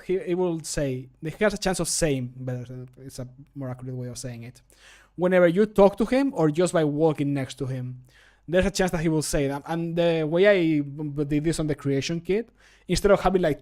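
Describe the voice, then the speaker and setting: Casual male streamer, thirties, slightly higher-pitched voice, jokey, muttery and sweary, close-miked at a home desk. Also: a little mellow. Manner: jokey, muttering to himself, profane. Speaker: streamer and game modder. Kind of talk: casual livestream chat while working. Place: home desk setup indoors. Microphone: close desk microphone.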